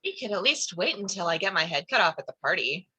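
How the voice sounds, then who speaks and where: A woman's voice: lowish voice, big pitch swings, fast, pushed and bright, breathy edge, heavily acted, rough recording. A woman playing a sulky, snarky, self-dramatizing teenage girl in a film table read. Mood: snippy, offended.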